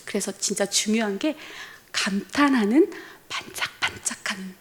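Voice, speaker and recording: A woman's voice: medium pitch, moderate pace. A woman preacher giving a sermon in a church, telling stories animatedly and speaking to the congregation. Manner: animated storytelling with acted quotes, addressing the congregation.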